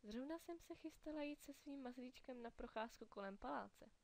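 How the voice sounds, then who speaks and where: A woman's voice: high voice, lively intonation. A woman voicing a spirited young princess who talks sweetly and slyly. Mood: playfully sly. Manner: sweet, sly and playful.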